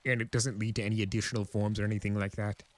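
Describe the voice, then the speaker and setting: A man's voice: on the low side, flat delivery, racing, voice pushed up, close to an everyday voice. A man voicing a cranky, centuries-old male creature of chaos in an exasperated, melodramatic way for a story reading. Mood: deadpan, relieved. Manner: exasperated, melodramatic, swooping emphasis.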